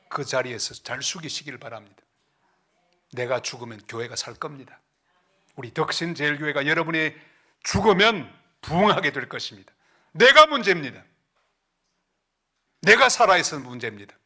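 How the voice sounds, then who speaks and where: A middle-aged pastor with a Gyeongsang accent preaching a sermon in a church, storytelling with big swings and sudden hushed, slow asides. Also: male voice, a little high. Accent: Gyeongsang Korean. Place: church sanctuary.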